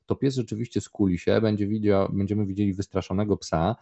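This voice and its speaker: A man's voice: on the low side, steady tone, fast talker, gravelly, dark tone, lo-fi sound. A man, a dog trainer, explaining at length in a podcast conversation, with many fillers and restarts.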